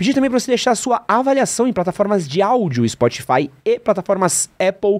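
A man's high-pitched voice. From Brazil. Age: 30s. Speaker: podcast host. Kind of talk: casual chat; podcast conversation. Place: studio. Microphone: studio mic.

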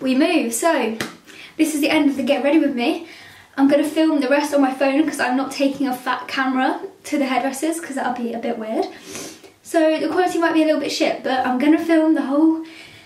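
The voice moves at a very fast pace with fairly even intonation, with audible room echo and light background noise. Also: woman, high pitch for a woman. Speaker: vlogger. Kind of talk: casual vlog chat. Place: bathroom. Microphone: camera far.

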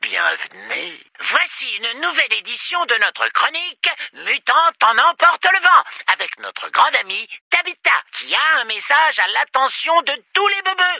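Extremely high in pitch, the put-on character voice swings very widely up and down. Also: moderate pace. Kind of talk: radio announcer. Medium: audio drama. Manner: upbeat, eager.

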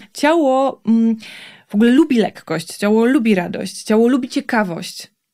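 A woman's dark, mellow, fairly high-pitched voice at a moderate pace, with ordinary pitch variation. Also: very even loudness. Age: 30s. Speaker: body-awareness and movement trainer. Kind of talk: casual interview.

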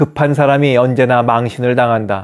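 Music plays in the background while a man talks at a fairly slow pace. His pitch is medium and his intonation is fairly even. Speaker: channel host. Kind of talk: reading a list of life advice.

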